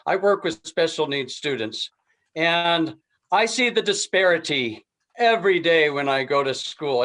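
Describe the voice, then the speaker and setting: A man's voice: fairly high pitch, a bit bright. A man giving an impromptu persuasive speech as a contestant, earnest and emphatic, repeating key phrases. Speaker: contest speaker.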